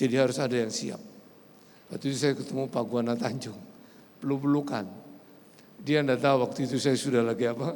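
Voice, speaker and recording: Audible room echo surrounds very fast speech that has ordinary pitch variation and long, frequent pauses. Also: man, medium pitch for a man. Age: 70s. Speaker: pastor. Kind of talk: sermon.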